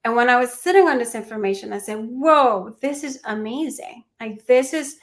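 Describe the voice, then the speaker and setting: Young woman from Peru, mindfulness teacher guest, bright-ish higher voice, thoughtful and sincere. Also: normal speed. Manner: earnest, reflective, with restarts and small laughs. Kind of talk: conversational interview answers.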